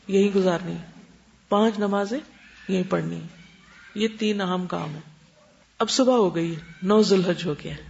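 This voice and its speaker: A woman giving a religious lecture as an Islamic teacher, explaining step by step and checking that listeners follow with quick questions. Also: medium pitch, vocal fry, a little mellow. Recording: dull lo-fi recording.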